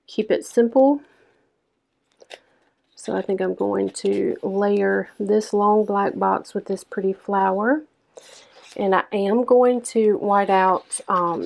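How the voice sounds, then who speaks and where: A young woman with a hoarse, stuffed-up voice chatting casually through a planner-decorating vlog. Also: medium pitch, a little mellow. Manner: chatty, lots of ums, unhurried. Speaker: planner vlogger. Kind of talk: casual plan-with-me narration.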